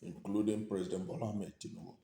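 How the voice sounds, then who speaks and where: A Nigerian man giving news commentary and reading out statements in deliberate, short emphatic phrases. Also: deep voice, fairly even intonation, creaky, warm tone. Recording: echoey room.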